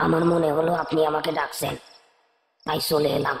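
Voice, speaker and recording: The put-on character voice is raspy, at a middle pitch, with monotone, flat intonation. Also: moderate pace. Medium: read story. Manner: deferential, addresses his master as babu.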